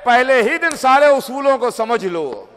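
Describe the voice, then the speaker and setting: A man's voice: extremely high pitch, very animated, a bit bright. A male cleric delivering an oratorical Urdu majlis sermon in a mosque, with rhythmic repeated phrases. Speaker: Shia cleric giving a majlis. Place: mosque hall. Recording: long hall reverb.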